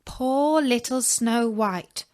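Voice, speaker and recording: A woman storyteller narrating a scripted children's fairy tale in a measured, deliberate read-aloud delivery. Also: a little high, darkish tone, dry recording, studio quality.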